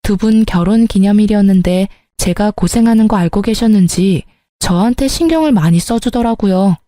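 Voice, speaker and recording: Calm, mellow woman storyteller. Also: medium pitch, moderate pace, no room sound, studio quality. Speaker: story narrator. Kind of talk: scripted first-person story narration.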